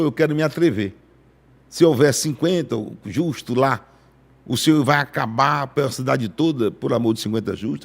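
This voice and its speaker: Male preacher from Brazil, prophetic live-stream sermon, mid-pitched, shifts from hushed to booming. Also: vocal fry. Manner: fervent, swings from hushed to booming.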